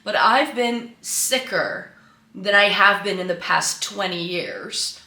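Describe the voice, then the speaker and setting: Woman vlogging, stuffy and a bit raspy from flu, bright tone, echoey room with the camera set back. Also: medium pitch, slow. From Netherlands. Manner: chatty, with frequent ums and restarts. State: congested and slightly raspy from flu. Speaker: beauty vlogger. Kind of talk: casual chat to camera. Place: home room by a Christmas tree. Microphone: camera mic, set some way off.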